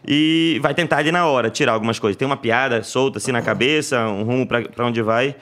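A man, a stand-up comedian chatting casually on a podcast, relaxed and swearing freely. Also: medium pitch, fast.

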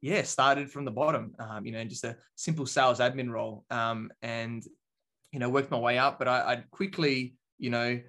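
A relaxed Australian man in his thirties talks casually as a podcast guest. He leans on fillers as he tells his story, in a voice of middling pitch. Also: moderate pace. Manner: relaxed, many fillers like um and you know. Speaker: business coach guest. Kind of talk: casual interview chat.

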